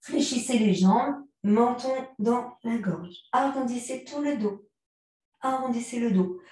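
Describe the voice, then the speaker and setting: Slow calm woman yoga teacher, echoey room. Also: a little high. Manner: calm, unhurried cues timed to the breath. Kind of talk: guided yoga class instruction. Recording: very echoey room, mic far off.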